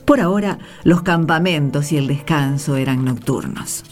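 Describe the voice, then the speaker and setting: Actress as radio-play narrator: Argentine woman, emotional, reflective believer, lowish register, soft music bed. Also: moderate pace, lightly acted. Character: emotional woman narrator remembering a desert journey of faith. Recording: music under the voice.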